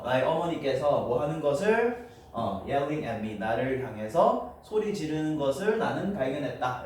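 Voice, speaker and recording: A man's voice: mid-range voice, a little mellow. A male teacher giving a classroom lecture on English grammar, explaining step by step and checking in with students. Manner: explains step by step, often asking students for agreement. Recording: roomy, distant, noisy room mic.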